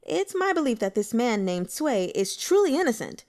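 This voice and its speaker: A woman voicing an earnest, anxious young male subordinate who speaks in a hurried, pleading way. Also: fairly high pitch, big pitch swings, darkish tone.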